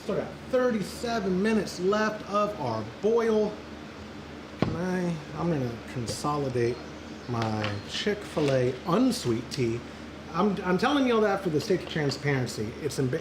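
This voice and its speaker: Chatty man with a lively voice. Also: fairly high pitch. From Central Texas. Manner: chatty, joking, rambling asides. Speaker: homebrew show host. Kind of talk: casual live-stream chat while brewing. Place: brewing area with flies around. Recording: echoey with loud background noise.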